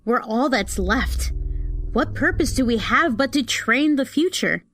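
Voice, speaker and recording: A woman's voice: sits high, animated, measured pace, fairly bright tone, a little hiss or hum. A woman playing a philosophical student in an audio drama, articulate and grave. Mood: grave, insistent. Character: pointed, philosophical female student.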